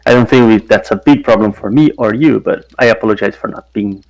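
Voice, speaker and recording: A man's voice: lowish voice, quick pace, creaky, a little mellow, no echo, rough recording. A middle-aged man whose first language is not English, chatting earnestly on a stream and explaining himself at length. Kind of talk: casual stream chat.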